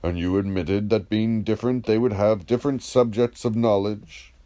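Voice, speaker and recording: A man reading the part of a patient, ironic, probing philosopher in a dramatised dialogue, in a measured, declamatory, questioning manner. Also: fairly low pitch, steady tone, warm tone, lightly acted.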